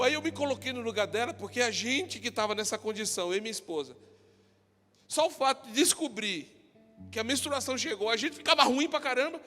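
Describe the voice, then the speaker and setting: Male pastor, sermon, storytelling, shouts then speaks quietly, high voice, faint music. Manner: swings between shouting and quiet talk. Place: church. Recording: long hall reverb with soft music.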